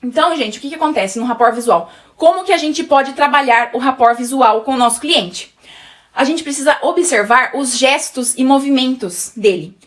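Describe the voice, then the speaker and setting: A woman's voice: sits high, normal speed, fairly bright tone. A woman with a Brazilian Portuguese accent giving a casual sales lesson, chatty and full of fillers, often addressing the viewers directly. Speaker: sales trainer. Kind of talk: casual teaching talk.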